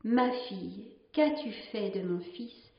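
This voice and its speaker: A woman's voice: mid-range voice, animated, slow. A woman voicing a stern old fisherman father who speaks solemnly and gives orders. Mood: grieving, reproachful. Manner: commanding, solemn. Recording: roomy, slightly dull recording.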